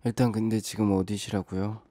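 A man acting out a late-night phone call with a stranger in a whispered role-play, speaking in a hushed, calm voice that turns urgent and reassuring. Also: lowish voice, brisk, no echo.

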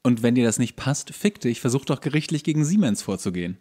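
A man's voice: mid-range voice, lively intonation, fast talker, warm tone. A man co-hosting a podcast in casual conversation, agreeable and often affirming his partner. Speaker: podcast co-host.

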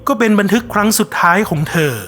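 High-voiced man narrating a ghost story. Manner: measured, somber first-person storytelling. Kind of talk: scripted horror narration. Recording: long reverb with soft music behind.

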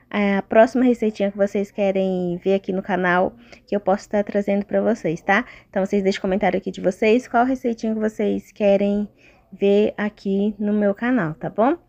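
A Brazilian woman talks through a home recipe in an informal, chatty style. Her voice sits at a medium pitch. She keeps turning to her listeners with little check-in questions as she explains. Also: dark tone, lo-fi sound. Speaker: home cooking vlogger. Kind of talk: casual recipe narration.

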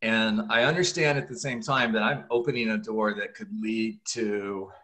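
Lowish-voiced middle-aged male group host. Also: fairly even intonation, moderate pace, pushed and bright. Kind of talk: motivational group facilitation. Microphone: computer mic on a video call, no headset.

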